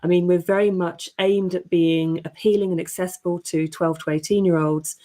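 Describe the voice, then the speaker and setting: Female panelist, mellow and fairly low, articulate and earnest in discussion. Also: steady tone, normal speed. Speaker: podcast editor, panelist. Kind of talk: considered panel discussion talk.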